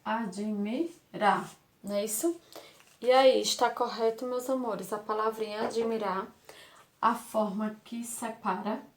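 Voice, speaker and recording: A woman's voice: fairly high pitch, fairly even intonation, measured pace. A Brazilian woman teaching a lesson to young children, affectionate and patient, repeating words and asking rhetorical questions. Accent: Brazilian Portuguese.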